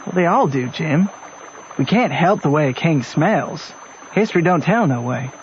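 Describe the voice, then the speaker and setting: A man's voice: on the high side, expressive, normal speed, slight background noise, close to an everyday voice. An actor playing a wry, plain-spoken country boy who narrates his adventures in folksy dialect for a radio drama. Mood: matter-of-fact. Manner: folksy ungrammatical drawl, matter-of-fact. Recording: muffled old radio recording.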